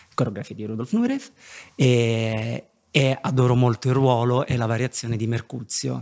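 This is a man speaking. His voice sits at a medium pitch with monotone, flat intonation. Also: moderate pace. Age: 30s. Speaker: ballet dancer. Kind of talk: casual interview.

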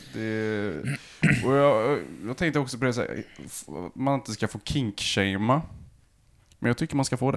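On a very clean recording with a silent background, a man at medium pitch talks at a moderate pace with ordinary pitch variation and long, frequent pauses. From Sweden, Malmö (Skåne). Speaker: podcast co-host. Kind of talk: casual chat.

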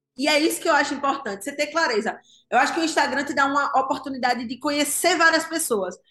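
The voice is raised and projected, with a bright, sharp tone. It goes very fast with ordinary pitch variation. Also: woman, high pitch for a woman. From Brazil. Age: 30s. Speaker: financial educator. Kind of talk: radio interview. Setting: radio studio.

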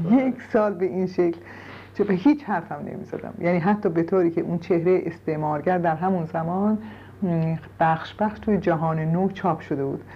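Using a plain, everyday voice, a woman talks at a fairly quick pace, fairly low in pitch with ordinary variation. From Iran, Tehran. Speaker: historian, former university professor. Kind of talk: oral history interview.

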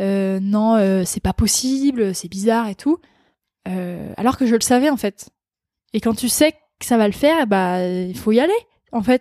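In a very clean recording with a silent background and a dry, close sound with no echo, a woman with a fairly high pitch and a dark, mellow tone speaks at a fairly slow pace with ordinary pitch variation and long, frequent pauses. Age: 20s. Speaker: YouTuber and content creator. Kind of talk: casual interview. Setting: at her home. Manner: animated.

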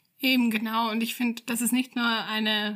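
Monotone, flat intonation and a somewhat breathy quality come through on a very clean recording with a silent background. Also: woman. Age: 20s. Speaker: podcast co-host, medical student. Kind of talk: casual chat.

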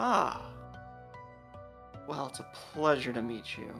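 A man puts on a character voice with a fairly high pitch. He goes at a fairly slow pace over clear music in the background. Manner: polite, welcoming.

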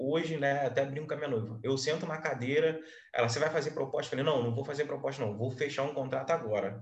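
Audible room echo surrounds a somewhat breathy voice speaking at a fairly quick pace with ordinary pitch variation. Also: man. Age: 20s. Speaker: civil engineer. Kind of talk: interview, casual chat.

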